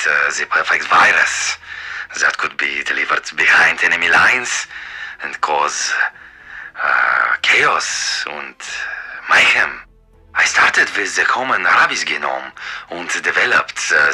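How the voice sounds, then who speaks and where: An actor playing an eccentric, older German wartime scientist in a video game, excitable and arrogant, raspy and halting, with a German accent. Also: male voice, very deep voice, exaggerated voice. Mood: boastful, aggrieved. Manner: halting, theatrical, with abrupt outbursts. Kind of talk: video game character acting.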